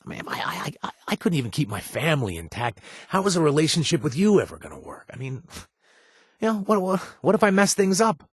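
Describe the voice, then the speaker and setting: An actor playing a gruff but awkward, loyal wasteland bartender in a video game, with a husky voice and a halting, casual delivery. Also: male voice, fairly high pitch, sing-song, no room sound, studio quality, exaggerated voice. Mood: nervous, awkward. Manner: halting, stammering, casual and self-deprecating. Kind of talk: naturalistic video game dialogue.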